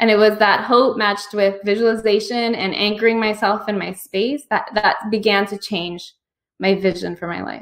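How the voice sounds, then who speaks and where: A woman speaks in a normal speaking voice at a medium pitch. Her pace is moderate and her intonation fairly even. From US, Cuban-American. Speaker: podcast host. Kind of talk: casual interview conversation.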